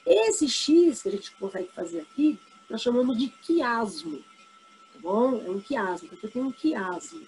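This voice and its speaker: A woman's voice: on the high side, darkish tone, slight background noise, rough recording. A woman teacher with a Brazilian accent, explaining poems in an exam review and checking in with her students. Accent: Brazilian Portuguese. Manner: explanatory, checks in often with tag questions; reads poetry aloud slowly.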